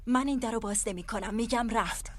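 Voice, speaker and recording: A woman's voice: a little high, close to an everyday voice. An actress playing a defiant young woman who answers curtly and stubbornly. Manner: curt and stubborn. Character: defiant young woman refusing to open the door.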